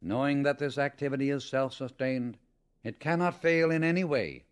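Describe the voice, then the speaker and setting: In a clean-toned, mid-pitched voice, a man reads aloud a spiritual teaching from a script. He delivers it with solemn deliberation, firmly emphasizing key words as an audiobook narrator might.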